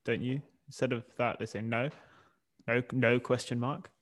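A man's voice: medium pitch, fairly even intonation, moderate pace. A British-accented man co-hosts a podcast in a casual, understated way. His humour is dry, and he often chuckles as he talks with his co-host. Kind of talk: casual banter.

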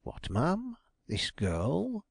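A man voicing a shrewd, suave older detective who asks his questions slowly and deliberately. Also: fairly high pitch, wildly swooping pitch, vocal fry, breathy edge, no echo, studio quality, voice pushed up, heavily acted.

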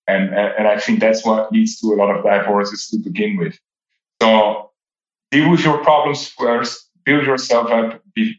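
A man's voice: lowish voice, fairly bright tone, roomy sound, muffled recording. A man in his thirties whose first languages are French and Dutch, giving reflective interview answers and often repeating words while he searches for them. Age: 30s. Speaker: podcast guest.

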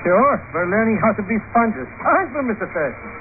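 Cheeky boat sidekick, slangy, high bouncy voice, vintage radio drama, noisy thin sound. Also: male voice, big pitch swings, fairly quick. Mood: wisecracking. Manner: colourful, wisecracking slang. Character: cheeky, folksy male boat helper. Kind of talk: old-time radio drama acting. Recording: tinny, noisy old radio recording.

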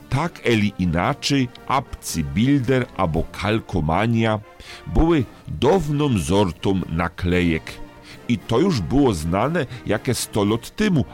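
Silesian accent guy explaining stuff like a radio columnist, takes it slow, bit of music behind. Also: low voice. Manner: didactic, explanatory. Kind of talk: scripted explanatory radio column on dialect words.

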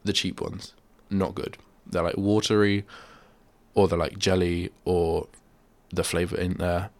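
A man's voice: low-pitched, level tone, unhurried, dry recording. A male radio host with a stuffy head cold, chatting in a rambling, self-deprecating way at a studio microphone. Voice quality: bunged-up, nasal. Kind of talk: casual solo radio chat.

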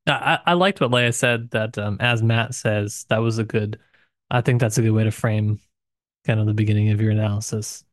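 A man's voice: fairly low pitch, brisk, dry recording, clean studio sound. A man co-hosting a podcast, thinking aloud informally in a casual discussion of literature. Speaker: podcast co-host.

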